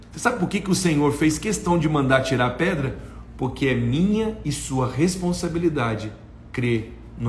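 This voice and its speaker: A man preaching a sermon on a live stream, slowing right down for emphasis and acting out voices from the scripture. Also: medium pitch, echoey room, slight background noise. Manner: preaching, acting out the voices of Bible figures in quotes; slows right down for emphasis and swings between loud and soft. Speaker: pastor.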